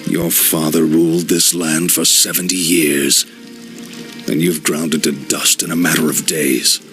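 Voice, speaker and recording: A man's voice: a bass voice, flat delivery, unhurried, fairly bright tone, soft background music, exaggerated voice. An actor playing a bitter older male paladin, speaking in a scornful, indignant way. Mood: contemptuous. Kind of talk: video game cutscene acting.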